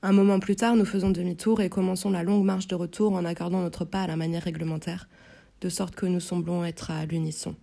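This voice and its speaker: Woman, audiobook narrator, first-person novel reading, measured, tense, gravelly, dark tone. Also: fairly low pitch, little pitch movement.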